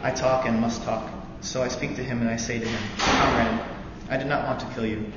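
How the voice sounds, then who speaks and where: A young American man, a student veteran, reading a novel passage aloud in earnest, after a halting introduction. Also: mid-range voice. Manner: halting intro with many fillers, then steady earnest reading. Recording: roomy echoey hall, dull lo-fi sound, noisy.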